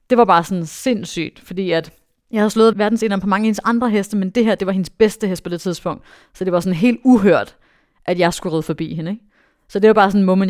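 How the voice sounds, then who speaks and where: A young woman, a dressage rider, telling a story in a casual interview with lots of fillers and bursts of excitement. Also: medium pitch, no echo, studio quality. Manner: animated, excitable, many fillers.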